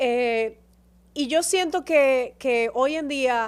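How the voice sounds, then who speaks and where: Lively intonation in a high-pitched female voice. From Dominican Republic. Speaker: TV presenter and actress. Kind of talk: interview conversation.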